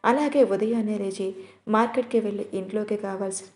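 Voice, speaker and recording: Firm young wife, stern with family, gentle with husband, mellow voice, read by a woman narrator, audio storybook. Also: mid-range voice, a little fast, close to an everyday voice. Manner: stern, then soothing.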